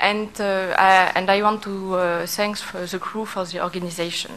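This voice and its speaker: Over noticeable background noise, a woman in a French accent speaks at medium pitch and a fairly slow pace. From France. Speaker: archaeologist. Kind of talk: conference presentation.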